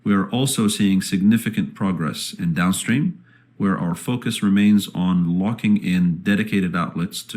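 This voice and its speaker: A man with a low-pitched, somewhat dark voice speaks as a company executive, reading a scripted earnings presentation in a formal, measured way.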